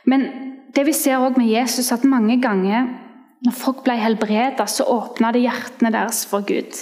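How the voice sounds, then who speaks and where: A woman's voice: a little high, fairly even intonation, darkish tone, long reverb tail. A woman telling personal testimonies as a Christian street evangelist, animatedly acting out the quotes in her stories.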